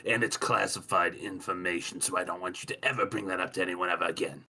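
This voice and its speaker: A man playing a pompous, forceful inspector. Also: low voice, fairly even intonation, fast talker, breathy edge, exaggerated voice. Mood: brusque. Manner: bossy, blustering with frequent ums and restarts. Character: brusque male safety inspector, pompous and condescending. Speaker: player. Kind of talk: tabletop game role-play.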